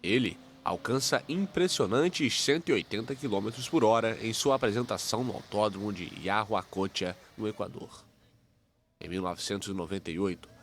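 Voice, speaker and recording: A man reading a scripted news report in a measured, formal tone. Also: lowish voice.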